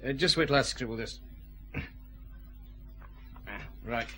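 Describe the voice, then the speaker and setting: An actor playing a commanding male Glasgow detective chief inspector in a radio drama, giving brisk, clipped orders in a Scottish accent. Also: medium pitch, sharp tone, a little hiss or hum. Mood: stern.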